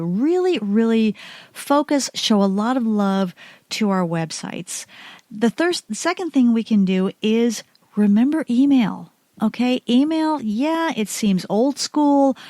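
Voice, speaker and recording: A woman's voice: medium pitch, warm tone, no room sound. A woman hosting a solo marketing podcast, talking in a chatty, candid way with frequent restarts and asides. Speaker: podcast host.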